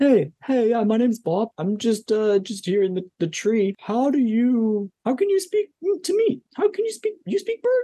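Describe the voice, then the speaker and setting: A put-on character voice, fairly high in pitch, delivered at a fairly slow pace. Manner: friendly, chatty.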